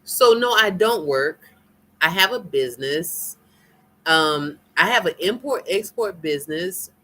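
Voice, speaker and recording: African American woman hosting a casual live chat, slow and bright, folksy and playful. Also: fairly low pitch. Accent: African American English. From United States. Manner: animated, laughing, teasing, folksy. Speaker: live-stream host chatting with viewers. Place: home in Nigeria.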